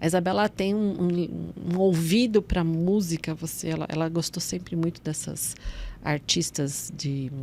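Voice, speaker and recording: A woman with fairly low pitch speaks at a fairly slow pace, showing ordinary pitch variation. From Brazil, Sorocaba (born in Argentina). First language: Spanish (speaking Portuguese). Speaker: HR manager. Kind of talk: podcast interview.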